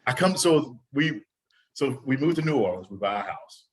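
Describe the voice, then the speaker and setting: A man's voice: mid-range voice, expressive, moderate pace, husky. A man from Alabama with a Southern accent, chatting and joking as a podcast guest. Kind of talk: casual podcast chat.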